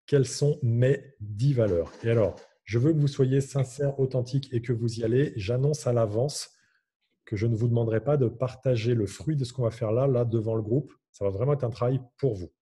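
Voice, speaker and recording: A man's voice: mid-range voice, brisk, dark tone, slightly rough. A man leading an online coaching workshop over a video call, in an encouraging, instructive way.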